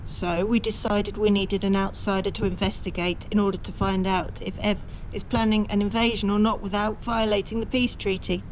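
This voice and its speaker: A woman's voice: mid-range voice, little pitch movement, moderate pace, few pauses, slight background noise, close to an everyday voice, rough recording. A woman playing an earnest good witch who explains things in an amateur audio drama.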